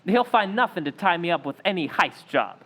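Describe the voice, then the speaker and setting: Man playing a brash young tough, high-pitched. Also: big pitch swings, fairly quick, fairly bright tone, exaggerated voice. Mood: brash, defiant. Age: young adult. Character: defiant young male suspect, brash slangy tough talker. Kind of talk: old-time radio drama acting.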